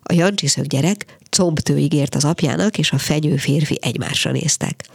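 A story reader giving slow, deliberate literary narration on radio, with whispered asides. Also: medium pitch, vocal fry, slightly rough, no room sound.

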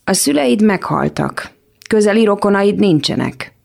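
A woman reading the part of a slightly mad male doctor who speaks slowly and softly coaxes. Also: mid-range voice, animated, vocal fry, voice pushed up. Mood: soothing.

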